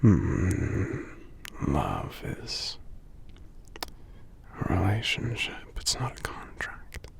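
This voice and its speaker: A gentle giant with a stuffy cold , acted by a man, murmuring in a low, gravelly half-whisper. He speaks tenderly and very slowly, humming softly between phrases as a devoted partner in an intimate ASMR roleplay. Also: wildly swooping pitch, heavily acted. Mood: affectionate, reassuring. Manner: soft, unhurried, murmuring hums between phrases. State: congested from a cold.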